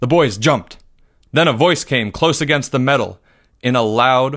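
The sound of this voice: An unforced reading voice carries the text.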